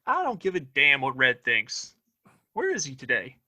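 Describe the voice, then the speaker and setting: A man's voice: medium pitch, wildly swooping pitch, normal speed, sharp tone, full character voice. A man playing a cocky, threatening sheriff and obedient son in a Western audio play, with folksy rustic speech. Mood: menacing.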